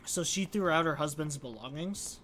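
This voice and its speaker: A man's voice: on the high side, normal speed, a bit bright, a little hiss or hum. A man streaming a let's play with casual, informal, opinionated commentary.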